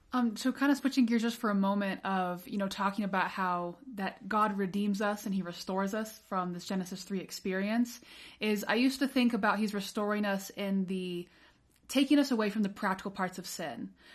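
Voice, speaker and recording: Speaking fairly quickly, a woman uses a somewhat breathy, medium-pitched voice with ordinary pitch variation. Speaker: panelist reading scripture. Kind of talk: scripture reading and discussion.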